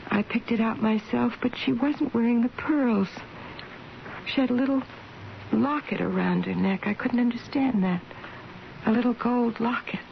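An actress playing a weary, gentle middle-aged mother recovering in hospital in a radio drama, speaking haltingly with a creaky voice. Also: fairly high pitch. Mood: wistful, puzzled. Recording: muffled radio broadcast with faint hiss.

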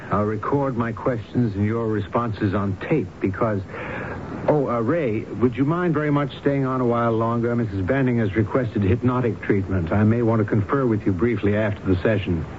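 A calm, formal doctor played by a male actor questions a patient in a radio play. His medium-pitched voice is measured and probing. The old broadcast sounds dull, with clear noise behind it. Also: close to an everyday voice. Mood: calm, courteous. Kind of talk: radio drama acting.

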